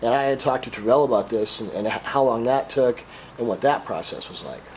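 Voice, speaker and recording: A man with a raspy voice from a cold, interviewing an athlete as a sports reporter with direct questions. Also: medium pitch, fairly quick, a little mellow, a little hiss or hum, rough recording.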